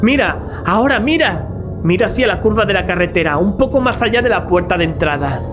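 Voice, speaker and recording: An actor playing an earnest young gentleman haunted by horror, intense and dramatic, in an audio drama. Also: sits high, expressive, brisk, music in the background. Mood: urgent.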